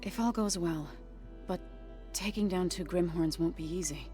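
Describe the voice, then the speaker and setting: An actress playing an earnest, gentle, devout young tribal woman in a video game cutscene. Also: lowish voice, normal speed, soft background music, close to an everyday voice. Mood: hopeful.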